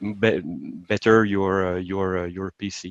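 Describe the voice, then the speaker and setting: A man with a French accent speaks with fairly even intonation in a dry recording with no echo. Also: quiet background. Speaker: software developer; software developer in an interview. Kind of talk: casual interview and software demo. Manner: halting, searching for words. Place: home room. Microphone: webcam.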